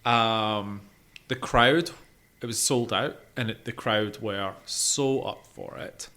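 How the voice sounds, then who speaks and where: A man's voice: lowish voice, slow pace, sharp tone. A man co-hosting a podcast, chatting casually about gigs he has been to. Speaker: podcast co-host.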